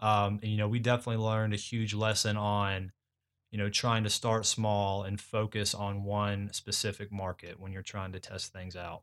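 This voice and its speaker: With a fairly low pitch and an unremarkable speaking voice, a man speaks at a moderate pace on a very clean recording with a silent background. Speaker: startup founder. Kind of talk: casual chat.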